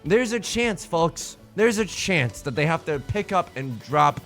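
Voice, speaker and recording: A man streaming live, chatting casually with viewers in an animated, jokey way, often restarting and repeating his words. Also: fairly high pitch, unhurried, faint music behind.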